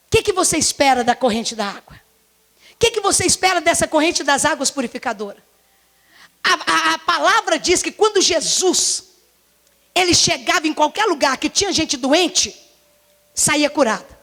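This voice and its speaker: A woman pastor in her forties with a Brazilian Portuguese accent, preaching a fervent sermon in a church, her voice slightly hoarse, repeating herself and firing rhetorical questions. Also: high voice, animated, normal speed, long pauses, fairly bright tone. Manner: impassioned, repetitive, many rhetorical questions. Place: church service.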